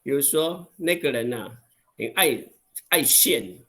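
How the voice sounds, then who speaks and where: Speaking at medium pitch with a Taiwanese Mandarin accent, a man runs an online language lesson via video call. He dramatizes exclamations with long, expressive voicing.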